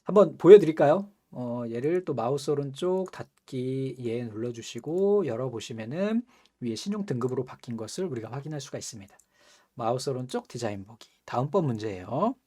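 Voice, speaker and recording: Chatty man teaching software, mellow voice. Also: medium pitch, expressive, fairly quick. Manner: chatty, asks students rhetorical questions, laughs often. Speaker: computer skills instructor. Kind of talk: screen-recorded software tutorial.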